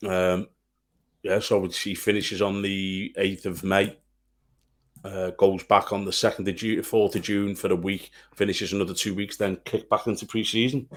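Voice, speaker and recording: A man's voice: low voice, flat delivery, moderate pace. A middle-aged man with an English accent, a podcast co-host bantering casually and bluntly with lots of swearing.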